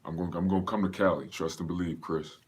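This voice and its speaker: A man's voice: deep voice, fairly even intonation, quick pace, slightly rough. A man from Pennsylvania, raised in North Carolina, casually hosting a live fitness Q&A and greeting viewers by name in a slangy, laid-back way. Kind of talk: casual livestream chat.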